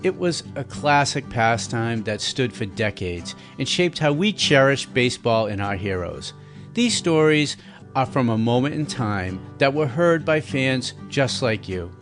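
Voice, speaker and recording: A man hosting a podcast and reading an introduction to listeners. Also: medium pitch. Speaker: podcast host. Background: plucked guitar music.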